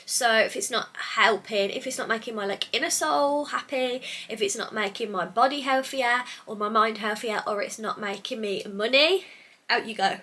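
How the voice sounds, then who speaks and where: A woman's voice: a little high, moderate pace, bright, forceful tone. A young woman vlogging in a casual, rambling chat to the camera, sounding a little stuffy from a cold. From United Kingdom. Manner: chatty and rambling, sidetracks mid-thought. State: congested from hay fever or a cold.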